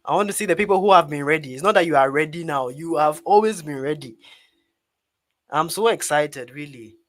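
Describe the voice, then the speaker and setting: A man's voice: a little high, a little fast. A Ghanaian man presenting informally as the host of a live webinar, repeating rallying questions and prompts to his audience. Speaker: host and public speaking coach.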